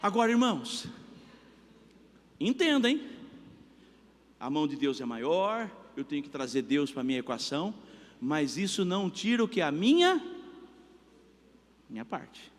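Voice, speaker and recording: A man's voice: on the high side, sing-song, measured pace, long pauses. A male pastor preaching with emphatic, joking storytelling to his congregation. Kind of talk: sermon. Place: large church sanctuary. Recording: reverberant church hall.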